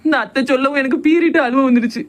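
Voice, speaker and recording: A woman's voice: high voice, very fast, lightly acted. A woman voicing a young village daughter-in-law, pouring out a plaintive complaint. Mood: tearful. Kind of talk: cartoon voice acting.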